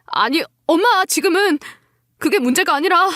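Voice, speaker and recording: A woman voicing a conniving, panicky grown son in a dramatized story, whiny and excitable. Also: extremely high pitch, moderate pace, no room sound, clean studio sound, pitched above the performer's own voice, heavily acted. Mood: anxious. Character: conniving, panicky adult son, mother's accomplice.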